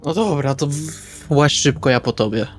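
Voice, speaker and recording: A man's voice: on the high side, normal speed. A man playing in a tabletop role-playing session, talking casually and partly in character. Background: background music.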